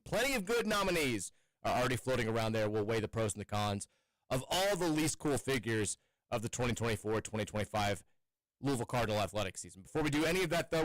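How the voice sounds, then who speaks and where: A man's voice: medium pitch, fairly bright tone, dry recording, poor audio. A man hosting a sports radio show in a studio, chatting loosely with frequent restarts. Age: adult with kids. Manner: rambling, chatty, with many restarts. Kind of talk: casual sports radio chat. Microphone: studio microphone.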